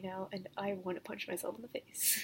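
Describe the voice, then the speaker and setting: A woman's medium-pitched, somewhat breathy voice. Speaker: vlogger. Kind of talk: casual monologue vlog. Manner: hesitant, full of fillers; jumps between thoughts.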